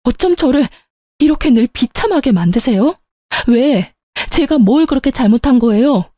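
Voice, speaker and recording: A woman's voice: sits high, expressive, normal speed, mellow, no echo, studio quality. Plaintive woman narrating a story. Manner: plaintive, aggrieved. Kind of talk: scripted first-person story narration.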